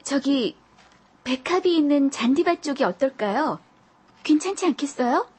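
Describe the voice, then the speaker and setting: A shy, eager young girl, voiced by a woman, speaks in an audiobook, bashful and prone to stammering. Her voice is high and flits up and down in lively swoops. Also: moderate pace. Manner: bashful, stammering when nervous.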